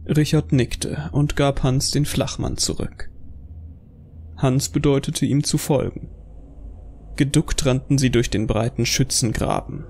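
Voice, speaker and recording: Gravelly male narrator. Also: medium pitch, a little mellow, a little hiss or hum. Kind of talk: scripted audio drama narration.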